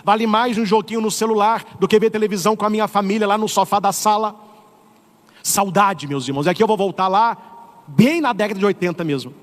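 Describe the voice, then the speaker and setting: A middle-aged man with a Brazilian Portuguese accent, a priest preaching an animated, humorous sermon. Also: high voice, fairly quick, long reverb tail. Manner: animated, humorous, acts out voices. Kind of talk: lively sermon.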